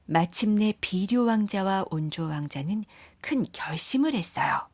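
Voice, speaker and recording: A woman reading scripted children's story narration in a measured, careful storytelling manner. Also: medium pitch, lively intonation, a little mellow, dry recording, clean studio sound.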